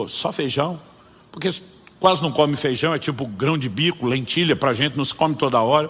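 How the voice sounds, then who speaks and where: In a Paraná accent, a man talks at a moderate pace. His pitch is fairly high, with ordinary variation. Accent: Paraná accent with a marked R. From Paraná, Brazil.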